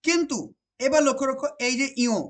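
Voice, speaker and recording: A woman with a West Bengal accent teaching an exam-prep grammar lesson. She repeats each point and keeps asking whether it is clear. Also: high voice. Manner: repeats points and asks rhetorical check questions; slows down to stress key phrases.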